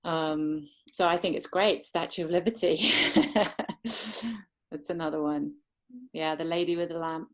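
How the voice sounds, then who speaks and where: A woman's voice: sits low, a little slow. A woman speaker answering a question after her talk, thoughtful and rambling, with many restarts. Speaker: dharma speaker.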